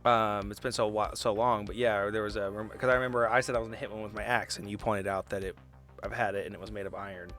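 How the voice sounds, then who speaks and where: A man's voice: fairly low pitch, fairly even intonation, quick pace, a bit bright, faint music behind. A man playing a tabletop game, chatting casually in a hesitant, rambling, joking manner.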